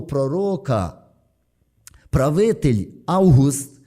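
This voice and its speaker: At a very slow pace, a man speaks with a fairly high pitch and lively intonation. His tone is dark and mellow. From western Ukraine (Lviv region). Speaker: pastor. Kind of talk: sermon.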